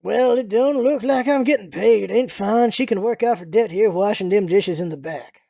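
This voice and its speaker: A woman playing a gruff older male restaurant owner with a Southern US accent and a blunt, folksy manner. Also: mid-range voice, normal speed, warm tone, dry recording, clean studio sound. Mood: grudging.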